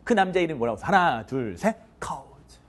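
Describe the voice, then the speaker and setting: A man's voice: a little high, big pitch swings, fairly quick. A male English teacher lecturing a class, drilling students with call-and-response and counting them in. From South Korea.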